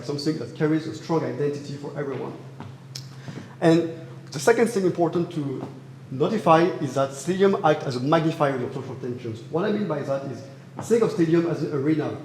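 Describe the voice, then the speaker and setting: A man's voice: on the high side, darkish tone, slight background noise. French-accented young man in an echoey hall. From France. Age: young adult. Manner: earnest, with frequent fillers and restarts. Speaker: student presenter. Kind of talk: academic thesis presentation. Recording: roomy hall reverb, faint ambience.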